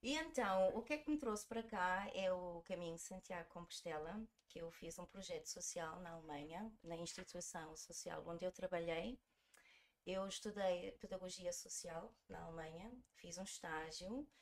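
Woman, forties, European Portuguese accent, lower voice, podcast guest, conversational storytelling. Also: normal speed. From Germany. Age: 40s.

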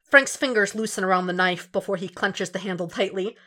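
A woman's voice: mid-range voice, fairly quick, fairly bright tone. Woman narrating a dramatic story. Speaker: fan fiction audiobook narrator.

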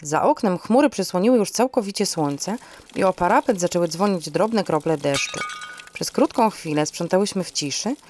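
A woman's voice: on the low side, lively intonation, normal speed, noisy background. A woman hosting a podcast and narrating a scripted first-person story in a wry, theatrical manner.

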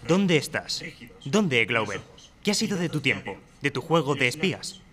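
A man playing the solemn narrator of a radio spy serial, delivering literary lines in dramatic, deliberate fragments. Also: medium pitch, sing-song, a crowd in the background, lightly acted. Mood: ominous. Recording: noisy live audience recording with ambience.

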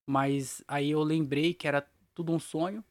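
A man's voice: fairly high pitch, fairly even intonation, moderate pace, no room sound. A young man, hosting his podcast alone and telling a long, rambling story in slangy talk, laughing at himself. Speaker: podcast host. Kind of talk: casual solo podcast storytelling.

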